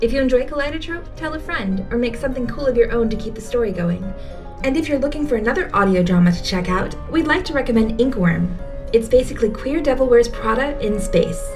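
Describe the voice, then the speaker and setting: A woman with a fairly high voice reads scripted podcast announcements. She sounds a little away from the microphone, with clear music behind her. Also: expressive, quick pace, distant mic. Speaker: podcast creator reading credits and giving commentary.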